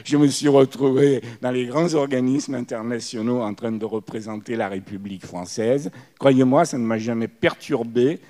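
A man's voice: medium pitch, fairly even intonation, moderate pace, few pauses, dark tone. A man in his sixties from Italy with an Italian accent, telling anecdotes on a panel with many fillers and restarts. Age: 60s. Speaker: panel guest. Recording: hall reverb.

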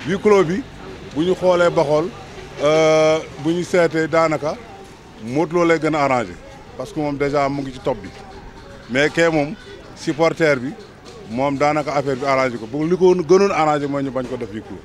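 A middle-aged Senegalese man giving his view in a street interview, speaking earnestly and sometimes halting while he searches for words. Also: fairly high pitch. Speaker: local resident interviewee. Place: outdoors in front of a building. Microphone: handheld reporter mics held close.

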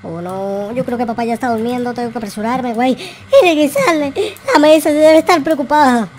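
A performer voicing an excitable, mischievous young noob in an improvised Minecraft roleplay, exclamatory and slangy, peppered with English curses. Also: high voice, fairly quick, faint music behind, lightly acted. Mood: bossy, hurried.

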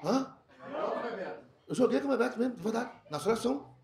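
A man doing a crude, animated stand-up comedy set, slipping into mock foreign voices as he tells his story. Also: extremely high pitch, a little fast. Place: comedy club stage with a live audience. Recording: echoey room, loud crowd laughter.

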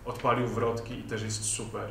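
A man's voice: mid-range voice, little pitch movement, moderate pace, gravelly, a bit bright. A young man in casual, joking conversation as a co-host promoting audio dramas. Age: young adult. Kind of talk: casual jokey chat. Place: indoor green-screen studio at a table. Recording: roomy, distant mic with background noise.

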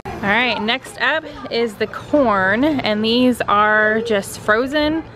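A woman's voice: fairly high pitch, slow pace, background noise. Chatty woman vlogging outdoors. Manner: chatty, addresses viewers as "you guys". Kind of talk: casual cooking vlog narration. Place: outdoor deck by a lake.

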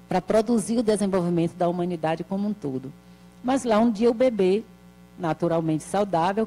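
A woman in her sixties giving a spiritual lecture, seated at a table in a small hall and speaking into a handheld mic in a calm, measured, explanatory way, with rhetorical questions. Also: mid-range voice.

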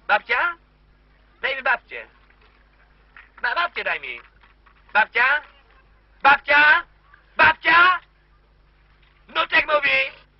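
High squeaky mummy's boy, naggy and repeaty on the phone, dull lo-fi tape. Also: huge pitch swings, takes it slowly, long pauses, dry recording, exaggerated voice. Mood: doting. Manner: fussy, repeating himself, nagging down the line. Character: grown man, a mummy's boy, on the phone to his mother. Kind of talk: cabaret sketch. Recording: dull lo-fi recording.

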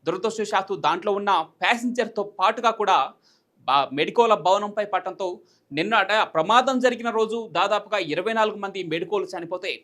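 A man's voice: high voice, fast talker, fairly bright tone. A man with a Telugu accent presenting news commentary, explaining and rephrasing points in everyday terms with English words mixed in.

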